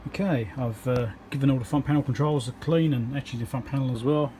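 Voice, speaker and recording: A man's voice: medium pitch, quick pace, warm tone, a little hiss or hum. A man with a New Zealand accent giving a casual, unscripted, matter-of-fact walkthrough as he works at an indoor bench. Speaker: electronics repairer presenting his work. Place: indoor workbench.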